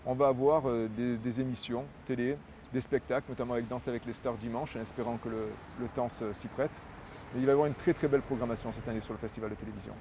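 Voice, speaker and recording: A man's voice: medium pitch, fairly even intonation, fast talker, background noise. A man, a festival director, answering interview questions in a fluent, promotional way, repeating words as he thinks.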